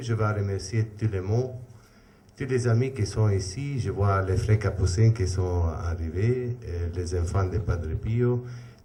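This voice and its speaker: A man's dark, mellow, somewhat breathy voice with an Italian accent, fairly low in pitch with ordinary pitch variation, at a very slow pace amid audible room echo. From Italy. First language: Italian (speaking French). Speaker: charity founder. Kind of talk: press conference. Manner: halting.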